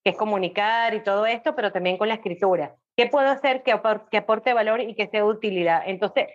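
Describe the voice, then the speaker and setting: Casting: chatty female interview guest, medium pitch, slightly muffled lo-fi recording. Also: quick pace. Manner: talkative, repeats phrases for emphasis. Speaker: podcast guest. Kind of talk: casual conversational storytelling. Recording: dull lo-fi voice audio.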